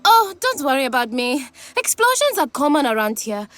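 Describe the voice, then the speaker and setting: Manic, high-pitched explosives-loving girl. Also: normal speed, dry recording. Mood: excited, bubbly. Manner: excitable, giggly, gleefully unhinged. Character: manic, cheerful young woman explosives maker, giggly and reckless. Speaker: video game character. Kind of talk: video game character acting.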